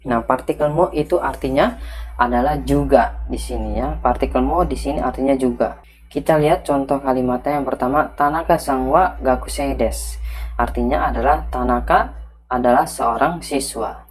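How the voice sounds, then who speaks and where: A woman's voice: a bass voice, moderate pace. A woman teaching a Japanese grammar lesson, explaining patiently step by step.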